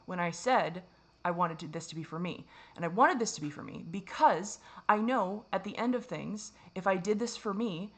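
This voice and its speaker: A woman's voice: medium pitch, moderate pace, few pauses, fairly bright tone. A woman vlogger speaking to camera in a rambling, self-critical confessional monologue, swearing often and restarting her sentences.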